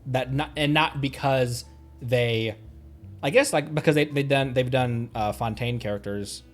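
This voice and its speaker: A man's mid-range voice moves at a measured pace during a casual gameplay livestream. Soft game music plays as he rambles, thinking his way through out loud.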